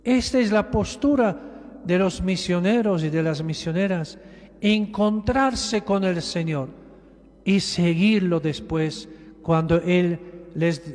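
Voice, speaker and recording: A man giving a sermon as a bishop, preaching slowly and with emphasis, often repeating words for weight. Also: high-pitched, a little mellow. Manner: slow, emphatic preaching with repetitions. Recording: long church reverb.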